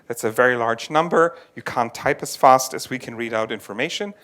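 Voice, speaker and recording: A man stands before an audience presenting his research, his voice bright and forward. He explains step by step, often restarting a phrase as he thinks aloud. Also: medium pitch, fairly quick. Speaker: conference speaker. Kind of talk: tech talk and audience Q&A. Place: lecture venue.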